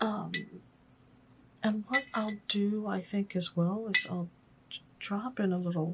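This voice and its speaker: Mumbling in a relaxed, calm tone, a woman speaks very slowly with fairly even intonation and long, frequent pauses over noticeable background noise. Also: medium pitch for a woman. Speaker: artist. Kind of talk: live unscripted narration while painting. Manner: mumbling, hesitant.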